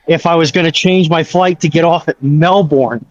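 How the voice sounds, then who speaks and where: A man's voice: fairly high pitch, moderate pace. A man chatting casually as a guest on a live stream, heard over a dull, lo-fi link. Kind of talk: casual chat.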